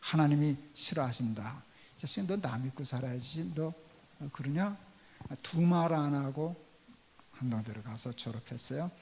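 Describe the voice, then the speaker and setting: Older guy preaching, tells a story and acts out the dialogue, voice kinda high, big echoey church hall. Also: normal speed, gravelly, a little mellow, a little hiss or hum. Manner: storytelling, acting out quoted dialogue. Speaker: pastor. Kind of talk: sermon. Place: church sanctuary. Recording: long church hall reverb.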